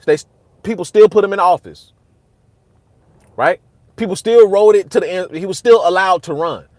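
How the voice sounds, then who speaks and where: At a moderate pace, a young host on a casual livestream responds to his chat in a heated, repetitive manner. When worked up, his voice turns loud and high, and the recording has no echo.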